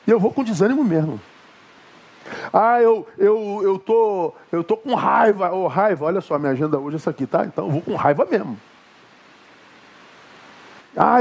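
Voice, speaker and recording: Emphatic Brazilian pastor, high husky voice. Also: male voice, animated, moderate pace, darkish tone. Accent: Brazilian Portuguese. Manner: emphatic preaching with asides to the congregation. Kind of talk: sermon.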